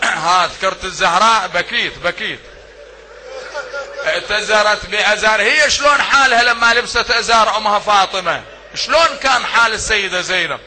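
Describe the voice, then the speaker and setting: A man, reciting a mourning sermon that moves between chanted lament and quiet prayer. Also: sits high, a little fast, slight background noise. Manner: emotional, sing-song lament rising to cries, then soft prayer.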